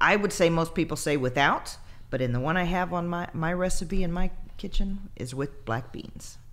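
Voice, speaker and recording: In a room with audible echo, a woman speaks at a fairly low pitch. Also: ordinary pitch variation, moderate pace. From Texas. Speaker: hotel executive chef. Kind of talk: interview.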